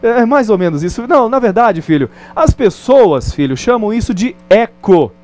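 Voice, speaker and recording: A man playing a calm, wise father. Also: sits high, normal speed, faint music behind, pitched above the performer's own voice. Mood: gentle. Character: calm wise father teaching his son.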